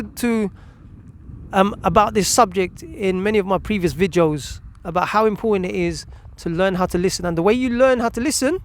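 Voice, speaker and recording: Presenting a video over slight background noise, this high-voiced male parenting coach gives a direct instructional talk. He leans on emphatic repetition of key words and asks rhetorical questions.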